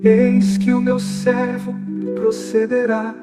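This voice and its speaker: A woman singing a slow hymn intro. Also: fairly high pitch, monotone. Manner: very slow sung phrases. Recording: long reverb with loud guitar music.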